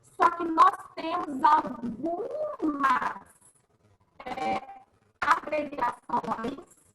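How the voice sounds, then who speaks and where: High-voiced woman teaching slowly. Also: sing-song, roomy sound, music in the background, poor audio. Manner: explains step by step, checks in with students. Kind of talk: online class lecture.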